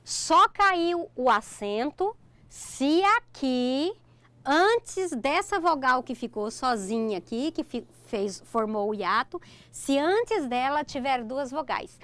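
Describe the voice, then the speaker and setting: A woman's voice: high voice, lively intonation, slow, a bit bright, no room sound. A middle-aged Brazilian woman with a Brazilian Portuguese accent, teaching a recorded online grammar lesson. She explains step by step and keeps checking in with "ok?".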